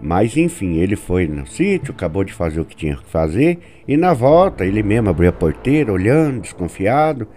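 A man's voice: fairly low pitch, sing-song, brisk, hardly any pauses, warm tone, soft background music. A man hosting and narrating a spooky tale in a conversational way, often turning to the listener. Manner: conversational, asks listener "sabe?". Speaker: host and storyteller.

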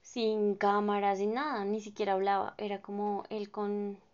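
A chatty Colombian woman in her twenties talks on her own podcast, wandering from one thought to the next and poking fun at herself. Her voice sits at an ordinary pitch for a woman. The recording sounds a little dull and lo-fi. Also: level tone, normal speed. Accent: Colombian Spanish. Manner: rambling, self-deprecating, slangy. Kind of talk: casual chatty monologue.

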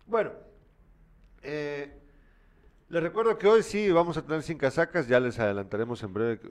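A man's voice: a little high, expressive, normal speed. Opinionated man co-hosting news. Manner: opinionated, exasperated, scolding asides. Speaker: news show co-host. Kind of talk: casual commentary reading viewer messages.

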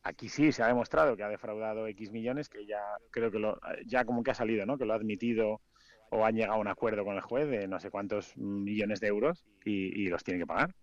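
A man's voice: on the low side, a little fast, dry recording, lo-fi sound. A man from Spain with a Spain Spanish accent, a DJ guest talking casually and frankly in a radio interview, trailing off into fillers.

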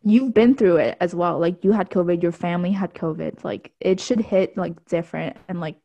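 A young woman co-hosting a podcast in casual chat who is blunt, swears freely and gets animated when she retells things. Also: on the low side, moderate pace, gravelly, dull audio. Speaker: podcast co-host.

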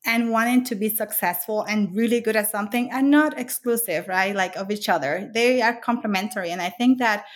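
A middle-aged woman from the Dominican Republic speaks in a relaxed interview at a mid pitch. Her delivery is earnest and halting, full of restarts and small fillers as she works toward each point. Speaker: author and interviewee. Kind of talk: conversational interview.

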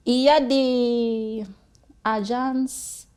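Filipino lady in her 40s, talks slow and halting, kinda high voice, bisaya is her first language. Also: steady tone, darkish tone, clean tone. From Philippines. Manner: halting, searching for words with many pauses. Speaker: interview guest. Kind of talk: casual interview.

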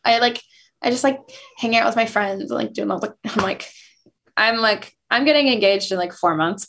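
A woman in her early twenties, a photographer guest, talking casually with lots of filler words. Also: medium pitch. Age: 20s. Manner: chatty, many "like" fillers. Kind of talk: casual chat.

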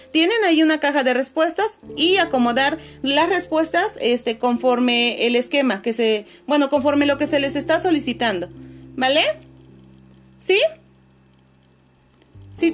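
A woman teacher, talking patiently to her pupils on a video call and filling pauses with "este". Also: high voice. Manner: patient, many fillers, calls pupils "chicos" and "corazones". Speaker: schoolteacher. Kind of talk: online class video call.

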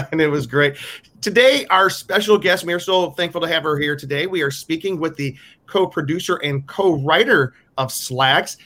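A male podcast host with a bright, forceful voice that sits a little high for a man. He talks eagerly and chattily, tripping over a word now and then as he leads the interview. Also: normal speed.

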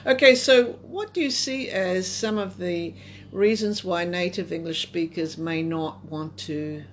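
A woman's voice: lowish voice, unhurried, slight background noise. A woman moderating a conversational discussion, putting questions and responding.

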